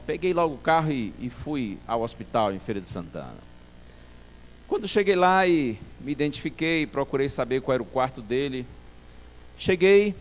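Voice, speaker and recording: A male pastor preaching a sermon as a story, acting out dialogue and swinging from soft to loud. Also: mid-range voice, a little hiss or hum.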